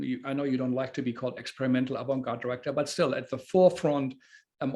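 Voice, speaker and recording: Male interviewer, medium pitch, halting, digressive, unscripted introduction style. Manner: halting, digressive, searching for words. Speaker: talk host and interviewer.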